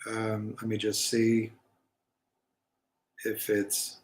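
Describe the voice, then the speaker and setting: A man's voice: fairly low pitch, completely flat delivery, drawn-out words. A man hosting a casual livestream about markets, rambling and opinionated with wry asides. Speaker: livestream host. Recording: roomy echo.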